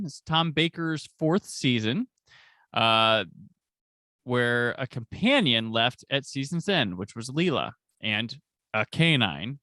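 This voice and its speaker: A man's voice: mid-range voice, sharp tone, no echo, studio quality. A man hosting a podcast in casual chat, recapping an episode with enthusiasm and jokey asides into a podcast microphone. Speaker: podcast host.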